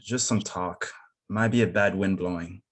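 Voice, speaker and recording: Guy reading as careful steady husband, understated, drama script, a bit low. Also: normal speed. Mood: guarded. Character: cautious, steady, protective husband and town official. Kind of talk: screenplay table read.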